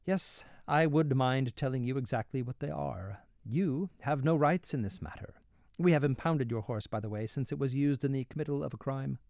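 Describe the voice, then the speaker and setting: A man acts out an urbane male ruler from a storybook in an American accent, close and dry in sound. He speaks in a measured, ironic way, polite on the surface and coolly threatening underneath. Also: medium pitch, vocal fry, a little mellow, dry recording, close to an everyday voice. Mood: calm menace. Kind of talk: storybook dialogue read aloud.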